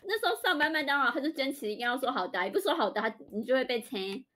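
A woman's voice: high voice, expressive, rapid-fire, pushed and bright, slight background noise. A woman, hosting a game stream and animatedly telling a story while acting out the lines she quotes. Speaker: livestream host. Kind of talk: casual chat on a game stream.

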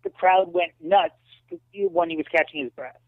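A man in his late fifties, a guest in a casual interview, telling animated stories and often saying "you know". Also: a little high, moderate pace, no room sound. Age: 50s. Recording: tinny dry phone line.

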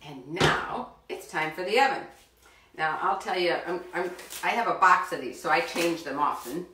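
A woman's voice: lowish voice, moderate pace, background noise. A middle-aged woman hosting a live cooking demonstration for children in her home kitchen, chatty and encouraging as she talks straight to the kids. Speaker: cooking show host for children. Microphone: far camera. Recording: roomy kitchen sound from a distance.

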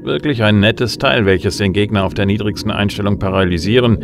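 Man acting a low-voiced, wry bounty hunter. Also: a little fast, vocal fry, over music. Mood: dry narration. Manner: dry, sardonic, matter-of-fact. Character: tough, wry male bounty hunter in science fiction. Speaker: narrator and lead actor. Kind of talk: first-person hardboiled radio drama narration and dialogue.

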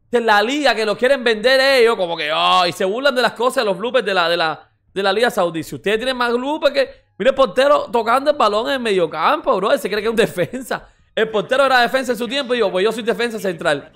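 Reaction host, male, high-pitched and quick, mocking and rambling with slang. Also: expressive, a bit bright. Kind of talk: excited casual reaction commentary.

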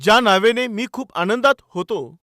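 Tearful little boy, as a male preacher voices him, pleading, higher voice, dry close sound. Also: moderate pace, sharp tone, dry recording. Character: little boy crying over lost paper boat.

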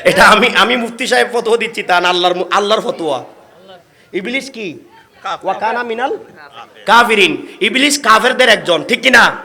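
A man's voice: sits high, normal speed, bright, forceful tone. A man from Bangladesh preaching a sermon, calling out to the gathering for responses. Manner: calls out to the crowd for responses. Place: religious gathering.

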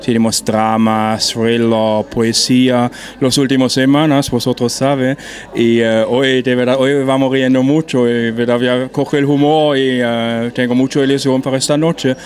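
Flat-voiced man, restaurant owner. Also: mid-range voice, unhurried. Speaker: restaurant owner and event organizer. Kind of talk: event interview. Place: busy restaurant dining room, indoors. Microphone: handheld interview mic.

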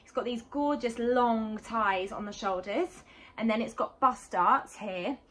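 A woman's voice: a little high, measured pace, a bit bright. A woman in her thirties with a slightly sore throat, chatting casually about her sewing in a small home room, with lots of "um"s as she rambles along. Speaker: sewing vlogger and teacher. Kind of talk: chatty sewing catch-up vlog.

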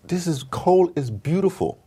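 A husky, high-sitting male voice speaks unhurriedly as an interview guest delivering fervent, informal political commentary. His storytelling is animated and emphatic, with acted-out dialogue, slangy wording, and rhetorical questions.

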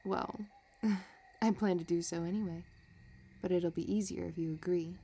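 A woman playing a possessive, scheming villain in a romantic audio roleplay, talking in a soft, teasing, calculating way. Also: lowish voice, steady tone, moderate pace, a little hiss or hum, lightly acted. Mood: intimate, possessive. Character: possessive, scheming female villain obsessed with her crush.

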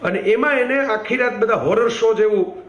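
A man's voice: extremely high pitch, normal speed, fairly bright tone, echoey room, dull audio. Man telling a story. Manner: conversational, digressive, with asides. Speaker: storyteller, speaker. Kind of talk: storytelling talk.

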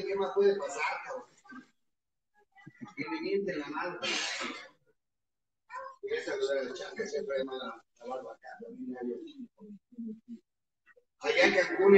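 Profane Mexican man in an echoey hall. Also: high-pitched. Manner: heavily profane, impassioned, voice often breaking. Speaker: recovering alcoholic giving testimony. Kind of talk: impassioned testimony at a support-group meeting. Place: meeting hall with an audience. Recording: echoey hall, mic far off, crowd behind.

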